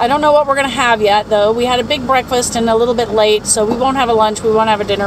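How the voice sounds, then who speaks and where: A woman with a high-pitched voice is heard in a dry recording with no echo but noticeable background noise. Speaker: travel vlogger. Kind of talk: casual vlog chat. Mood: relaxed, content. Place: car. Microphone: phone near.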